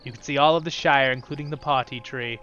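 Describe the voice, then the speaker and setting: A man's voice: mid-range voice, fairly even intonation, fast talker, lo-fi sound. A man hosting his channel, giving casual, chatty commentary while playing a fantasy game. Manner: upbeat, chatty, drifts into softer asides. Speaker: YouTube channel host.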